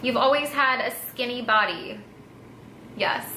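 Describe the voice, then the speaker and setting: A woman's voice: on the high side, a little slow. A young woman from Texas with an American accent, chatting casually as a vlogger answering viewer assumptions. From Texas, United States. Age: young adult. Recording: echoey room with faint background noise.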